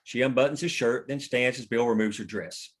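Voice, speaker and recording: A man's voice: mid-range voice, brisk. A man reading stage directions as scripted narration at a table read.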